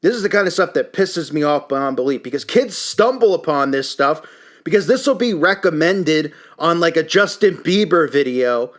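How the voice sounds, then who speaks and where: A man's voice: fairly high pitch, expressive, moderate pace. A man delivers an indignant, emphatic, unscripted opinion rant as a commentary host. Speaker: YouTube commentary channel host.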